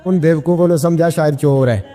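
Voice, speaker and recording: A man's voice: a little high, fairly even intonation. Reverberant male preacher telling stories. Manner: tells stories acting out quoted voices, rising to loud emphatic peaks. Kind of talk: sermon storytelling. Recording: long hall reverb with faint music.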